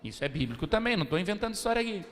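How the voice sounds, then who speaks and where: A man's voice: high-pitched, sing-song, rapid-fire. A man with a Brazilian Portuguese accent preaching a sermon as pastor, drawing call-and-response from the congregation and acting out the voices of church members. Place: church sanctuary, long reverb. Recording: hall reverb of a church service.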